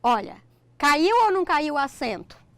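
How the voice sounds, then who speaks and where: A middle-aged Brazilian woman with a Brazilian Portuguese accent teaches a grammar lesson recorded for online viewing, with no room sound. Her high voice is animated and moves at a moderate pace as she explains each step and keeps checking in with "ok?".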